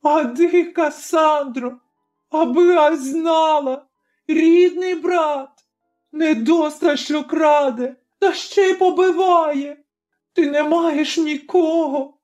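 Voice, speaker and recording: A furious young village girl, shrill and high, yelling and crying, storybook voice, soft music under it. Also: drawn-out words, heavily acted. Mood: sobbing. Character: young village woman, wronged, furious and sobbing. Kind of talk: audiobook character voice.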